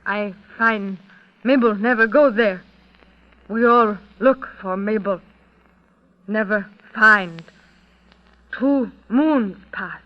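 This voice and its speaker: A Native American witness in a vintage radio courtroom drama, speaking in short, broken English phrases. The voice is high and slow, on a dry, muffled recording. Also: male voice, no room sound. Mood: mournful testimony. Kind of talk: 1940s-style radio drama acting.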